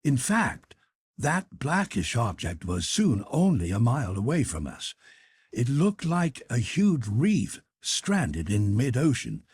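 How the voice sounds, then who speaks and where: A man narrating a classic adventure novel in an expressive, scripted audiobook style. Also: medium pitch, takes it slowly, breathy edge, dry recording, studio quality.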